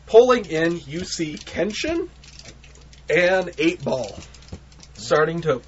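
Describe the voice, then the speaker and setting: A man's voice: fairly high pitch, big pitch swings, slow, slightly rough. A man acting as game master, narrating a tabletop role-playing game in a conversational way. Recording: dull lo-fi recording, background noise.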